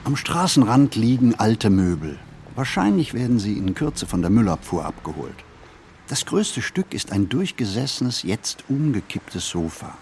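A low male voice gives the inner monologue of a brooding city flaneur. He phrases deliberately and reflectively, observing everything around him as in a literary radio play. Clear ambient noise sits behind the voice. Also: sing-song, darkish tone. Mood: observant, musing.

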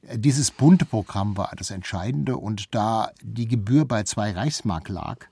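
A man's voice: on the low side, unhurried, creaky, mellow, breathy edge, dry recording. A man speaking as an expert interview guest, explaining things in detail with examples.

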